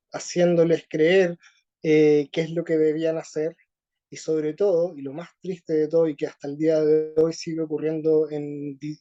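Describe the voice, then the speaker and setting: A man with a Chilean accent answering interview questions slowly, with many pauses and fillers. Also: fairly high pitch, dark tone, dull audio. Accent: Chilean Spanish. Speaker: interview guest. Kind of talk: conversational interview.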